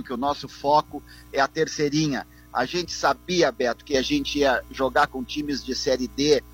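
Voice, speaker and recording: A man talks through a speakerphone into a radio show. His voice is husky and sits a little high. He speaks earnestly and circles back to the same points. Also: a bit bright. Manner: earnest, repetitive, keeps addressing the host. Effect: on speakerphone over a phone line. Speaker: football club vice-president calling in. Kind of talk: phone-in radio interview.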